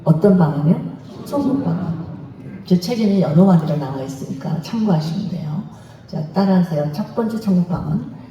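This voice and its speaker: A woman giving a lively, lecture-style sermon on marriage in a large church hall, acting out little dialogues and having the congregation repeat phrases after her. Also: lowish voice, normal speed. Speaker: guest speaker at a church revival meeting. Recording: dull, very echoey hall, mic at a distance.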